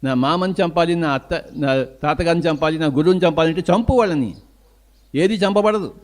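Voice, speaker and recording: A man preaching a spiritual discourse in a fairly high-pitched voice. He speaks emphatically and drives his points home by asking rhetorical questions and answering them himself. Faint bird calls and outdoor sounds drift in behind him. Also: normal speed. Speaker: spiritual teacher.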